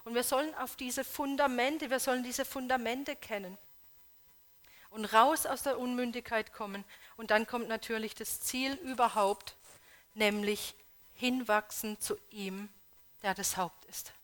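A woman preaching a sermon, earnestly urging her congregation with questions, moving between loud appeals and soft, hushed emphasis. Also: a little high, fairly even intonation, unhurried.

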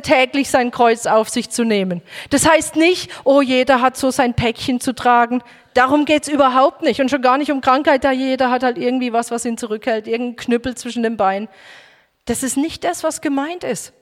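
Woman preacher, emotional testimony, halting restarts, fairly high voice, long hall reverb. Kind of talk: personal testimony sermon.

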